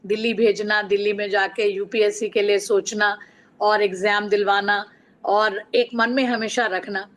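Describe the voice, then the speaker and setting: A middle-aged author from Bihar, India, appears as a guest and answers interview questions earnestly and reflectively, sharing personal stories. Her voice is mid-range and fairly bright.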